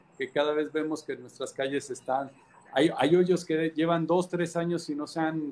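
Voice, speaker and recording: The pace is moderate, and the intonation stays fairly even. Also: man. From Mexico City. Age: 40s. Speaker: political candidate, lawyer. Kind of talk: interview.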